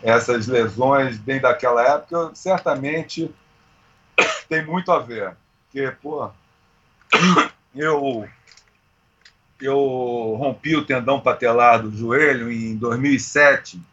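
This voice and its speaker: Husky-voiced man of about sixty. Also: mid-range voice, slow pace, pauses often, bright, forceful tone, highs cut off. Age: around 60. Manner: informal, colloquial, slangy. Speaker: amateur triathlete, interview guest. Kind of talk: casual chat, storytelling.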